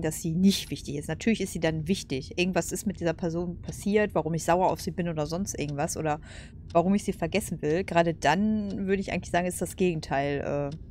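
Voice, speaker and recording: A woman with a fairly low voice gives casual let's play commentary. She thinks aloud in blunt, colloquial phrasing, with clear background noise and game ambience behind her. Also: darkish tone. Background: video game ambience.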